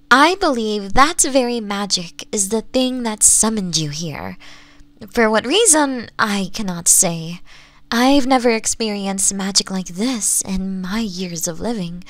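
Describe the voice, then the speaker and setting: Actress as possessive fox woman for ASMR roleplay: slow, coaxing, teasing, whispery at times, very dry close sound. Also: mid-range voice, no echo. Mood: serious, gentle. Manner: soft, coaxing, slips into breathy whispers. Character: possessive, flirtatious nine-tailed fox woman, sweetly teasing.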